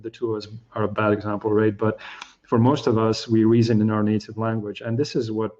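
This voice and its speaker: A man's voice: lowish voice, flat delivery, fairly quick, darkish tone, muffled recording. A man whose first language is Slovak, speaking as a guest in a casual expert discussion and thinking aloud with many restarts. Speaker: guest analyst.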